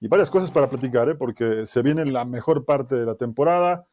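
Mellow male sports radio co-host. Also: medium pitch, expressive, a little fast. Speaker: radio co-host and message reader. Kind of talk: sports radio talk and reading out messages.

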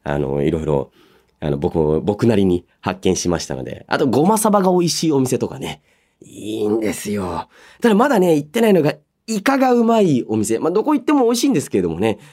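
Radio host, male, 30s. Very lively intonation, casual and chatty delivery. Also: lowish voice, fast talker. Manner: animated, chatty, interjects own reactions while reading. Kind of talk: casual radio chat, reading listener mail and reacting.

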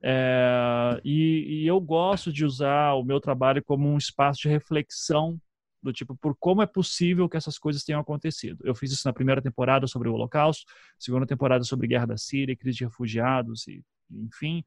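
Appearing as a podcast guest, this thirtysomething storytelling podcaster from Curitiba talks reflectively in his southern Brazilian Paraná accent, often breaking off, restarting and tagging lines with "né." His mid-range voice has a creaky quality, captured in a dry, studio-quality recording.

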